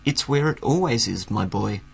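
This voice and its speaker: A man voicing a dry, teasing old lock keeper in a storybook reading, with a gravelly voice. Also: on the low side, expressive, moderate pace, heavily acted.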